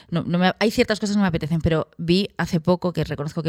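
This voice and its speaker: Dry and close with no echo, a woman's voice moves at a very fast pace on a very clean recording with a silent background. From Guadalajara, Spain. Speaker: actress. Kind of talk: casual interview.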